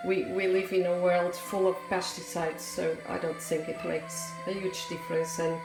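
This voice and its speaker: A woman from Portugal with a Portuguese accent, chatting casually through a home cooking demonstration, rambling into asides with frequent hesitations. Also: lowish voice. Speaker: home cook. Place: home kitchen. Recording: echoey kitchen with music behind.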